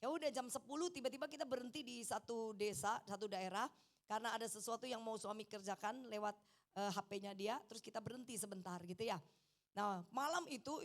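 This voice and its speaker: A middle-aged woman evangelist, preaching a sermon and telling a personal story with sound effects and calls to the congregation. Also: on the high side.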